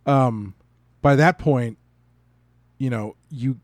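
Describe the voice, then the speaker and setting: Man, average pitch, casual reviewer, podcast co-host, self-interrupting, thinking out loud, very little room echo. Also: slow.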